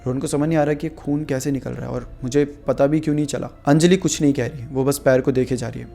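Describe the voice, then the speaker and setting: A young male storyteller recounting a haunting in a relaxed, conversational way. His voice is gravelly and dark, and faint music plays behind him. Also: mid-range voice, quick pace. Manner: conversational, asides to the listener, mixing English words. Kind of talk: horror story narration.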